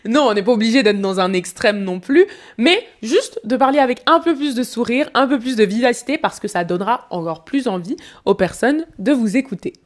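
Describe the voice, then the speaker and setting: A woman's voice: on the high side, expressive, brisk, few pauses. A woman public speaking coach commenting on a televised interview, giving advice straight to the viewer. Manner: advising, direct to viewer. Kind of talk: speech analysis commentary.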